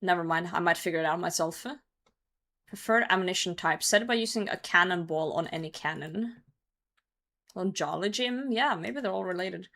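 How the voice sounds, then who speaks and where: A woman's voice: lowish voice, moderate pace, vocal fry, sharp tone. A young woman who is hungover, casually chatting with her live stream and commenting on gameplay, with some swearing. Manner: sweary, reacting to chat and game. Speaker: game streamer.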